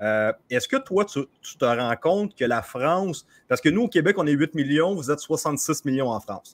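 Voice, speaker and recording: At a fairly high pitch and a moderate pace, a man has a plain, everyday voice, captured with a dry, close sound with no echo in a very clean recording with a silent background. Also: lively intonation. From Quebec. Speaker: former police officer, online show host. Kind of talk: interview. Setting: live stream.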